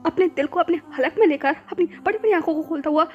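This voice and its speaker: A woman's voice: very high-pitched, fast talker, highs cut off. A woman narrating a romance story, mixing English words into her telling. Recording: soft background music.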